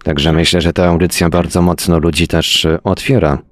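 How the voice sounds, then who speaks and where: A man hosting a show about the paranormal, talking calmly and measuredly with occasional restarts. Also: sits low, no echo. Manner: calm, measured, slight restarts. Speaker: radio show host. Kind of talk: interview conversation.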